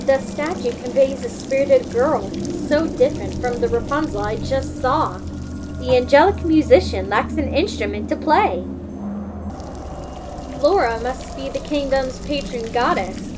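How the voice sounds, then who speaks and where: A woman voicing a curious female detective in a fairy-tale game fandub, musing aloud in a measured way. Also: high voice, animated, music in the background. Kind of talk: hobby fandub game narration. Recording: clearly noisy home recording.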